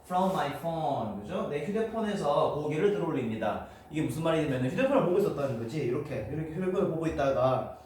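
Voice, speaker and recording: A man's voice: a little high, expressive, fast talker, a little mellow. A male teacher giving a classroom lecture on English grammar, explaining step by step and checking in with students. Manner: explains step by step, often asking students for agreement. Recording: roomy, distant, noisy room mic.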